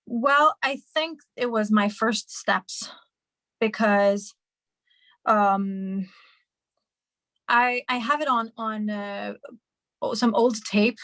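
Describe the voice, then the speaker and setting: A woman's voice: on the high side, very slow, long pauses, fairly bright tone, dry recording. A young woman from Hungary, a singer and musician, answering interview questions in a chatty way with many fillers and restarts over a video call.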